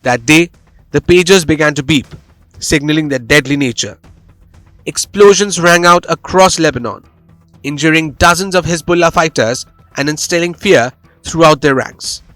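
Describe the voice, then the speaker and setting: A man with a fairly high-pitched voice narrates a scripted news explainer. He tells it like a dramatic story. The recording is dry and close, with music playing behind him. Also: normal speed, a bit bright, dry recording, low-quality recording. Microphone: close studio voice-over microphone.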